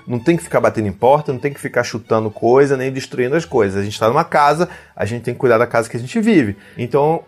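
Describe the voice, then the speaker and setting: A man's voice: medium pitch, fast, few pauses, faint music behind. A man in his thirties with a Brazilian Portuguese accent tells a parenting story to camera. He rambles and fills his sentences with "sabe" and "né". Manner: rambling, full of fillers like "sabe" and "né". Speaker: parenting vlogger, father of two.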